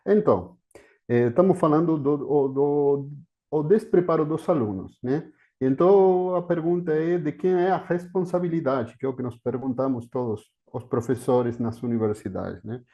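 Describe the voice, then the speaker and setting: A guest historian of education, a man from Argentina with an Argentine Spanish accent, presents an academic talk via video call. His fairly high voice moves at a normal pace while he hesitates and restarts often, using many fillers. The recording is muffled.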